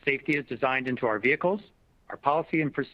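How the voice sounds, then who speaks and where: A man speaking as a chief executive, giving a prepared earnings presentation in a formal, measured corporate style. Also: mid-range voice, no room sound. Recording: dull, dry conference call audio.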